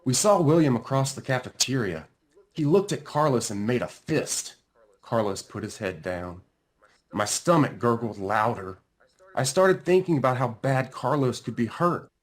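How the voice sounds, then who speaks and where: A man reading a children's storybook aloud as its author, with deliberate, dramatic emphasis. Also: medium pitch, lively intonation. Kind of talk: expressive children's storybook narration.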